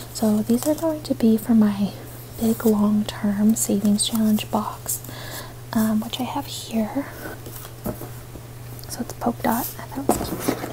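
The speaker is soft-spoken and talks at a fairly slow pace with long, frequent pauses. Noticeable background noise runs underneath. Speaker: budgeting content creator. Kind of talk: casual talk to camera.

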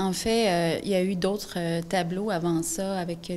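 A woman talks with fairly even intonation. Light background noise sits under her voice. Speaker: interviewee. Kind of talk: interview. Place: hall. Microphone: handheld.

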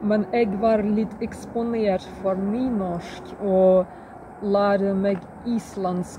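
Noticeable background noise surrounds a woman speaking at a very slow pace. Her medium-pitched voice stays monotone and flat. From Russia. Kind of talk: casual vlog talk to camera.

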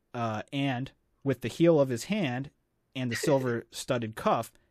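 The voice is reading aloud in a natural voice, with ordinary pitch variation. The background is quiet.

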